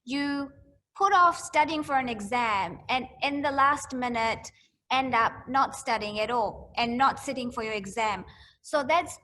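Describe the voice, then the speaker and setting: High-voiced woman explaining calmly. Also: a little hiss or hum. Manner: repeats phrases to stress points. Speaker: mental health educator. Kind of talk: explanatory talk to students.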